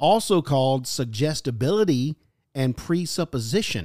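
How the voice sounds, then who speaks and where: With lively intonation, a man talks in an American accent. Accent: Southern US, sometimes held back. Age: 50s. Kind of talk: casual chat; reading aloud. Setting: studio.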